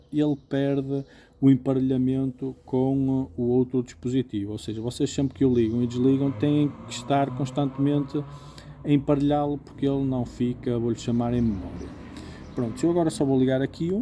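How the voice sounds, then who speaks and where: A man with a European Portuguese accent talks through a product demonstration in an informal, explanatory way. His voice is very mellow and dark, sitting at an average male pitch. He sounds like an everyday reviewer checking that the listener follows. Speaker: motorcycle gear reviewer.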